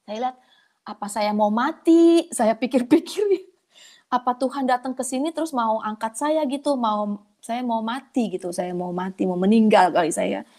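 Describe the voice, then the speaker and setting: Chatty woman telling a lively testimony. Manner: animated, pitch leaping up in excited moments; colloquial, chatty delivery addressing listeners as friends. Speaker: person giving a personal testimony. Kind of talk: conversational testimony storytelling.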